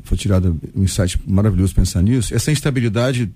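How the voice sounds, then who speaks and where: A man in his fifties, a guest on a Christian discussion program, who speaks in a personal, warm way and quotes books. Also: fairly low pitch, fast, breathy edge, no echo. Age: 50s. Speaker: panel guest. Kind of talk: Christian radio discussion panel.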